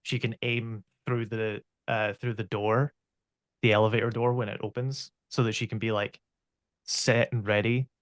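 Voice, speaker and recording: A man casually explaining his moves as a player in a tabletop game, in a halting way. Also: on the low side, level tone, dry recording.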